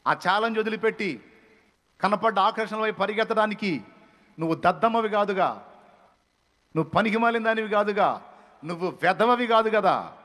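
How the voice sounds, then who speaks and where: A man's voice: high-pitched, lively intonation, normal speed, long pauses, a bit bright. A man preaching a fiery Telugu sermon as a pastor, scolding his listeners with repeated emphatic phrases. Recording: long hall reverb.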